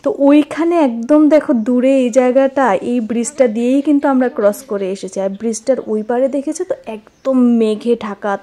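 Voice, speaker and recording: A woman's voice: on the high side, mellow. A woman chats familiarly to her viewers as she narrates a casual travel vlog. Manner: chatty, addresses viewers familiarly. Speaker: travel vlogger, host. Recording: clearly noisy outdoor ambience. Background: ambient noise.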